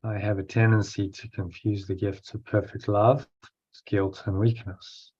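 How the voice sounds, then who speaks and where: A man leading a guided breathing meditation as a teacher, giving instructions in short phrases with pauses and reading out affirmations. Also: on the low side, level tone, dark tone, slightly rough. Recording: dull, lo-fi sound.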